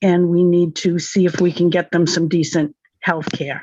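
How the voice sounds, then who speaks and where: A woman talks at a moderate pace with a medium pitch. She has an unremarkable speaking voice. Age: 60s. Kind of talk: public hearing testimony.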